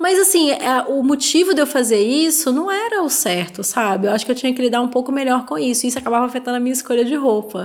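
Over noticeable background noise, a woman talks very fast in a high voice with lively intonation. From Belo Horizonte, Minas Gerais, Brazil. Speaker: podcast co-host, fashion content creator. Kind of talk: casual chat.

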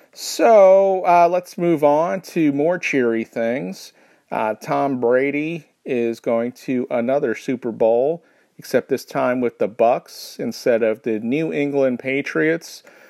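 A man speaks at a very slow pace with a fairly high pitch and lively intonation. The sound is dry and close with no echo, over a quiet background. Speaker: podcast host. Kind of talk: comedic solo podcast monologue, news riffing; angry comedic rant, sarcastic and raised. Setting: home recording. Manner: rambling, filler-heavy, self-deprecating; sarcastic, exasperated, ranting with heated sarcasm.

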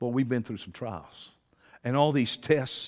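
In a Southern US accent, the speaker goes at a moderate pace on a very clean recording with a silent background. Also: man. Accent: US South. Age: 60s. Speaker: preacher. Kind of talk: sermon. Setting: church.

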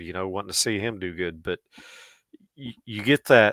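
Bright, sharp tone from a man with an American accent, fairly low in pitch and fairly even in intonation, in a very clean recording with a silent background and a dry, close sound with no echo. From US South. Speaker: sports podcast co-host. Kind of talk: casual chat.

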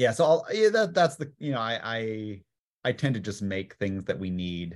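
A man's ordinary speaking voice, lively in intonation and fairly slow in pace, over a quiet background. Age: 30s. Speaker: board game accessory company founder. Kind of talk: casual chat. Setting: video call.

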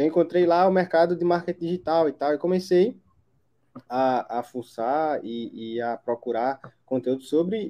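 At a fairly slow pace, a man talks in a fairly high pitch with a plain, everyday voice. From Brazil, Pernambuco (Carpina). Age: 20s. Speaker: student web designer. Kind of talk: casual interview. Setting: live stream video call.

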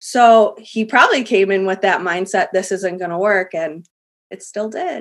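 A woman's unremarkable speaking voice, medium in pitch, with ordinary pitch variation and a moderate pace. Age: 30s. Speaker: healer and medium. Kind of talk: casual interview chat.

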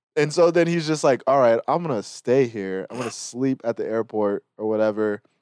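With an American accent, a man in an unremarkable speaking voice talks at a moderate pace with ordinary pitch variation, in a dry, close sound with no echo and a quiet background. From US Pacific Northwest, Tacoma, Washington. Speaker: comedian. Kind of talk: casual chat.

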